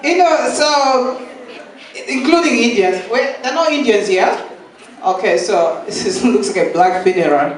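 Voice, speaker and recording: A young man from Malawi doing a halting, rambling stand-up set, laughing at his own jokes, recorded at a live venue. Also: very high-pitched, expressive. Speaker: stand-up comedian. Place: live comedy venue with audience. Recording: echoey room, far from mic, crowd noise.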